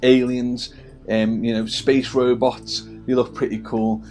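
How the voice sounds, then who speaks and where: A man's voice: medium pitch, little pitch movement, takes it slowly, a little mellow. Man, 30s, Wirral accent with Scouse twang, casual to-camera chat, friendly, many fillers, faint music behind. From the Wirral, England. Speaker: hobby miniature painting channel host.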